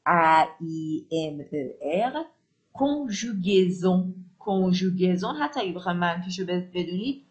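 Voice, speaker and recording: Woman, native Persian speaker, French teacher, rather low voice, quick explanations, slow drilled repetitions. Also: animated, lo-fi sound. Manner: explains quickly in Persian, repeats French phrases slowly and loudly. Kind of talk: language lesson.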